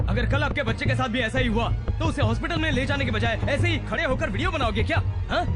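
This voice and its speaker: A man's voice: high voice, close to an everyday voice. A man playing a righteous film hero. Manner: preachy, scolding speeches. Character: righteous young male hero, bold protector. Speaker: hero who rebukes onlookers and defends a woman. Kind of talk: dubbed film acting. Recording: film soundtrack with loud music.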